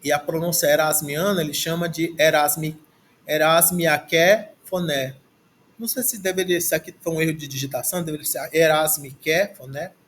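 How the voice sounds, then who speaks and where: Working through a textbook at his desk in a screen recording, a Brazilian Portuguese-accented man teaches a slow, halting language lesson. His voice is slightly high and a bit bright, with fairly even intonation and a moderate pace, and he repeats words aloud as he works out their pronunciation amid a little hiss or hum.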